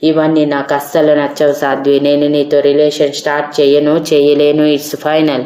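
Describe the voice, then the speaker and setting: A woman reading the lines of an angry, principled young man in an audio story, scolding slowly and emphatically. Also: low-pitched, completely flat delivery, warm tone, close to an everyday voice. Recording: roomy echo.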